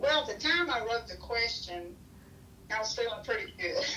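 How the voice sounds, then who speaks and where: Amid audible room echo and noticeable background noise, a woman talks at a moderate speed. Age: 60s. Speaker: caller. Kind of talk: phone-in question.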